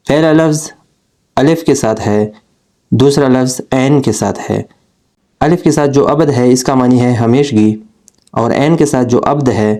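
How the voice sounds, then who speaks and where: Slow, mellow-voiced man teaching grammar. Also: medium pitch. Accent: Pakistani Urdu. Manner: measured, deliberate explaining. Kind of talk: slow explanatory lesson.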